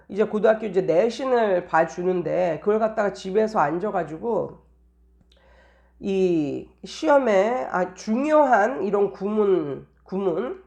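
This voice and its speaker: Creaky-voiced woman in a muffled recording. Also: a little high, a little mellow. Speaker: private English tutor giving teaching tips. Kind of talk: casual anecdotal monologue.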